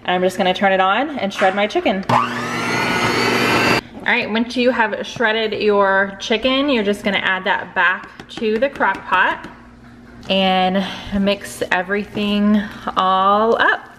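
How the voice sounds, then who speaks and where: A woman's voice: mid-range voice, takes it slowly, a bit bright, a little hiss or hum. A woman in her thirties hosts a casual cook-along from her home kitchen. She sounds chatty and upbeat, guiding viewers step by step, recorded close on a camera mic. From United States. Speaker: cooking channel host. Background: dishwasher running in the background.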